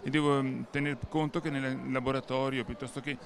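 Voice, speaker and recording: A middle-aged man speaks quickly into a handheld microphone, earnest and tripping over a few words as he explains himself. The busy chatter of a crowded fair hall surrounds him. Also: mid-range voice, little pitch movement, creaky. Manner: earnest, with restarts and stumbles. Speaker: interviewee. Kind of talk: interview at a book fair stand. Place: busy exhibition hall stand. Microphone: handheld interviewer mic.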